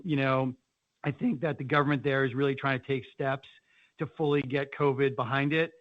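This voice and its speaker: A man speaking as a company finance executive, answering analyst questions in a measured, hedging way peppered with "you know". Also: mid-range voice, dry recording. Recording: dull, band-limited conference call audio.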